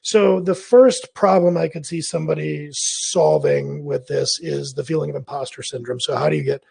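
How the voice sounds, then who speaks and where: A man with a slightly high, raspy voice talks through freelance business questions in a loose, casual monologue. He sounds hoarse and scratchy as he recovers from laryngitis. He often stops to rephrase and correct himself mid-thought. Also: fairly even intonation, normal speed, a little mellow. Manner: rambling, thinking aloud with frequent self-corrections. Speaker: freelance business advice host.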